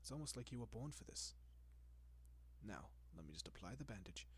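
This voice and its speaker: A man playing a doting, possessive centuries-old vampire in an intimate roleplay audio, speaking in a genteel, coaxing manner with lingering pauses. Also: lowish voice, very animated, slightly rough. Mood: doting, pleased.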